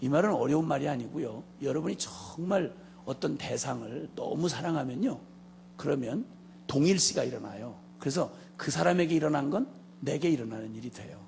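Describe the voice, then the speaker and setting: A middle-aged man preaching a sermon as a missionary, telling a story with humor and speaking straight to the congregation, moving between loud and hushed delivery. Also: medium pitch, lively intonation, brisk, vocal fry, slight background noise. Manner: joking, addresses the congregation directly.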